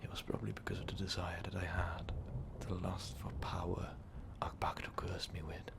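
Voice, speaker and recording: Ancient vampire overlord, acted by a man, low-pitched, creaky fry, brooding and sadistic, halting half-whispered confession, ASMR roleplay. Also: little pitch movement. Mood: regretful, lonely. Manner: slow, halting confession, slipping often into whispers. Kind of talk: ASMR roleplay monologue, intimate storytelling.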